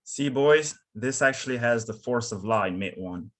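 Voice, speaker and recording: A man's voice: medium pitch, lively intonation, normal speed, a bit bright, close to an everyday voice. A man playing a stubborn, protective small-town man of authority at a screenplay table read. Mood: firm, wry.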